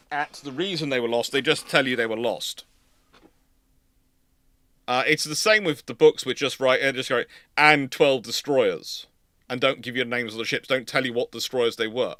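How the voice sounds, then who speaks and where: A man's voice: medium pitch, sharp tone. A man hosting a live history question-and-answer discussion, explaining his opinions emphatically with many digressions. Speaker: host, naval historian.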